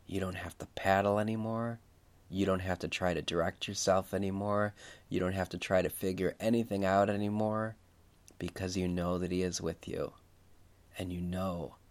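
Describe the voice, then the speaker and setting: A man speaking as a preacher leading a guided Christian meditation, reflective and unhurried, repeating phrases for emphasis. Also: low voice.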